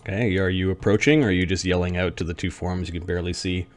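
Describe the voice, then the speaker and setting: A man improvising narration as a tabletop game master, feeling his way haltingly through descriptions. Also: low-pitched, fairly even intonation.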